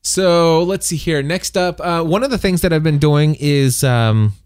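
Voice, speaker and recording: A man's voice: on the high side, a little slow, darkish tone, clear, resonant tone, no echo, studio quality. An American man of forty-one chatting casually as a podcast co-host, with a bantering, self-deprecating manner. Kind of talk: casual chat.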